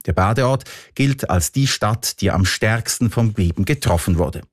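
Low-voiced Swiss German male news presenter. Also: animated, unhurried, dry recording, studio quality. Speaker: news programme host. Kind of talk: scripted radio news presenting.

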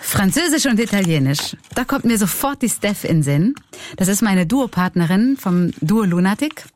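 A Swiss German–accented comedian and clown in her forties reflects during an interview, laughing frequently. Her mid-range voice is animated and a little mellow, at a moderate pace.

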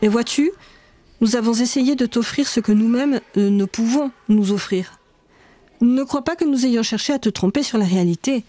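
A man's voice: very high-pitched, moderate pace, dark tone, no echo. A woman doing a weary, guarded school director. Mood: conciliatory. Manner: lecturing, reasoning patiently. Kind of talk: read-aloud memoir dialogue.

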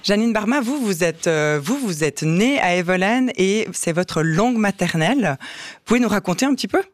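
A woman with a Swiss French accent co-hosting a radio talk show, lively and eager to add her comments. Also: medium pitch, normal speed, dry recording, clean studio sound. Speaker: radio co-host. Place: radio studio.

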